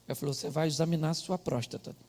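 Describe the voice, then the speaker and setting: A middle-aged Brazilian pastor telling a comic story in a sermon, dropping to murmured asides and rising to shouted punchlines. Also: male voice, fairly high pitch, very fast, gravelly, noisy background.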